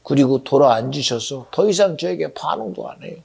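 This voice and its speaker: Man, pastor, Sunday sermon, fairly high voice, raspy, impassioned, whispers and exclamations. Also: lively intonation, fairly quick. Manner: impassioned, swings between hushed whispers and loud exclamations. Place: church sanctuary.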